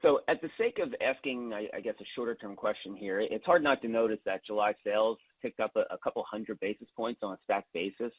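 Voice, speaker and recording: A man's voice: fairly low pitch, a little fast, hardly any pauses, husky, dry recording. A man, a financial analyst, putting tentative, hedged questions to executives on a conference call. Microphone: phone. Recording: tinny narrow-band phone line.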